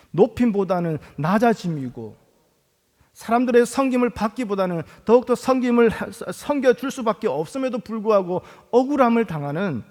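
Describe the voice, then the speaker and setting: A pastor with a Gyeongsang accent preaches in a high, lively voice that swings freely up and down. He tells his points as animated stories with touches of humor. His voice carries the long reverb of a large hall. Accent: Gyeongsang Korean. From Gyeongsang, South Korea. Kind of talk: sermon. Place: church sanctuary.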